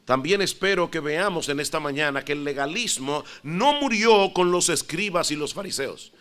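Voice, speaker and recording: A middle-aged man from the Dominican Republic with a Dominican Spanish accent, preaching a sermon in an earnest, measured way and praying softly. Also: fairly high pitch, lively intonation, clean tone. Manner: earnest, measured preaching with soft, hushed prayer. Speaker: pastor.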